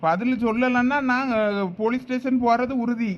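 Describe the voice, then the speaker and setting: A man with a Thoothukudi Tamil accent voicing an aggrieved middle-aged brother in a cartoon family drama, arguing loudly and insistently. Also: very high-pitched, steady tone, normal speed, muffled recording. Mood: angry.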